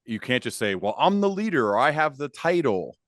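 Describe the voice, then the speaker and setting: A man's voice: medium pitch, sing-song, brisk, no echo, studio quality. A man hosting a conversational interview, speaking earnestly and repeating phrases for emphasis. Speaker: podcast host, interviewer.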